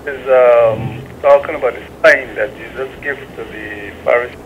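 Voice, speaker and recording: A male caller on a phone line that keeps breaking up and cutting out, speaking haltingly and hard to make out. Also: medium pitch, fairly even intonation. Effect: phone call breaking up, cutting in and out. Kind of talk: call-in to a TV quiz. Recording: tinny phone line with faint noise.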